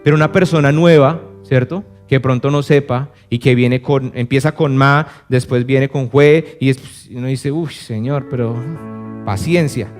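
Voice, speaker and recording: A man's voice: steady tone, normal speed, hardly any pauses. A man pastor preaching a sermon in a conversational way, asking the congregation rhetorical questions and briefly acting out other voices. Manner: acts out other voices with dramatic pitch swings. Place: church service. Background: soft piano.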